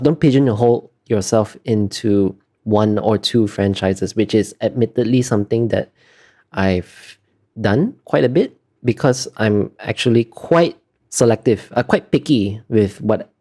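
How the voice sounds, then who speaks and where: A man's voice: lowish voice, dark tone. A man being interviewed as an artist, talking casually and explaining in a hesitant, self-correcting way.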